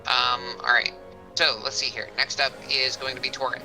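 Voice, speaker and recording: A man running an online tabletop game as game master, halting and thinking aloud as he goes. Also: medium pitch, little pitch movement, over music, poor audio.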